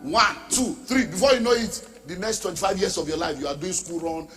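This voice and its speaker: A middle-aged man, preaching a sermon as a pastor, forceful and rising to shouts. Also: high-pitched, a little fast. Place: church or large hall. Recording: reverberant hall with background music.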